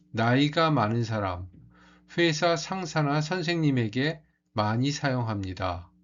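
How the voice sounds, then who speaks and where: Calm man explaining a lesson. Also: a little high, highs cut off. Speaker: Korean language teacher.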